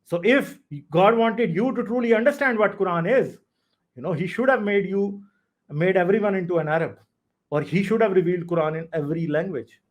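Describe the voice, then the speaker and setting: Man, high voice, forceful argumentative talk, call-in show host. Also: brisk. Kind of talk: call-in debate.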